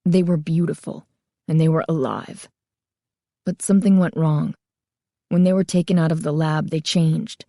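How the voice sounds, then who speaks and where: A woman reading aloud, voicing a quiet, sorrowful male mask maker who speaks softly, close to a whisper. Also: low voice, steady tone, normal speed, long pauses, no room sound, voice pushed down. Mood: bitter. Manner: soft, hushed, half-whispering.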